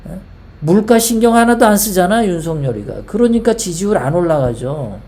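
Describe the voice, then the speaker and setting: A woman's voice: on the low side, animated, a little fast, dark tone, a little hiss or hum. A woman from South Korea hosting a casual political monologue, talking in a heated, rambling way full of rhetorical questions. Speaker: political commentary host.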